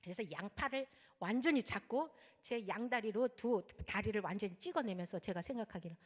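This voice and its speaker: A woman's voice: medium pitch, fairly quick. A woman pastor telling a story in a sermon, acting out the prayers and speech of the people in it. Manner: animated storytelling with acted prayers. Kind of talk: sermon testimony. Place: church sanctuary. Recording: church hall reverb.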